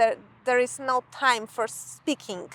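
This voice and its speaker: Speaking at a fairly slow pace in a strong Polish accent, a woman with a high pitch is heard in a dry, close sound with no echo. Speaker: fencing instructor. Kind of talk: casual talk to camera.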